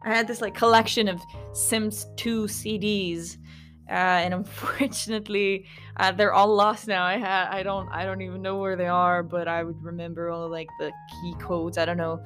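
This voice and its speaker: A woman's voice: medium pitch, little pitch movement, moderate pace, a bit bright. Woman, thirties, from Kosovo, American-tinged accent, rambling chatty podcast host, faint music behind. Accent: American-influenced English. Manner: chatty, rambling, with frequent likes and asides to listeners. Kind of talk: casual reflective monologue.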